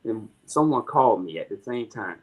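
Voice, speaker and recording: A man's voice: on the low side, lively intonation, moderate pace, darkish tone. A man, a podcast guest, telling his life story as a personal testimony, acting out what others said. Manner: storytelling, acting out quoted voices.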